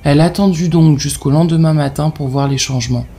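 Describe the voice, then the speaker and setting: Husky, dark-toned storyteller. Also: mid-range voice, brisk, soft background music. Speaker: narrator. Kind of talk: scripted children's story narration.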